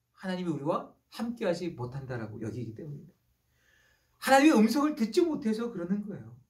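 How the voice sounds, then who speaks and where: Male pastor, 30s, sermon delivery; high, very animated pitch, punches key phrases. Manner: preacherly, rising emphasis on key phrases.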